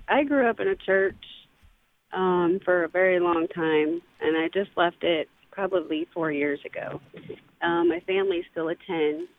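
A woman's voice: on the low side, dry recording. Hesitant woman calling in over the phone. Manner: hesitant, many "um" fillers. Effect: heard over the phone. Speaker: caller. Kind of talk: call-in question to a radio show. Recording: tinny phone line, dry.

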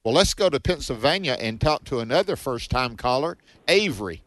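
A man's voice: mid-range voice, expressive, a little fast, a bit bright, dry recording. Male co-host of a call-in radio Bible show, folksy with callers, dry studio sound. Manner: folksy, affectionate, calls people brother.

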